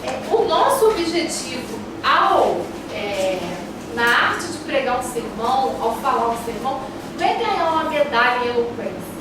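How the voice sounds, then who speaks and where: A Brazilian woman lectures a class in a high voice. She is didactic and repeats key phrases to drive them home. The recording is very echoey and noisy, picked up from a distance. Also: sing-song, normal speed, few pauses. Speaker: teacher of a preaching class.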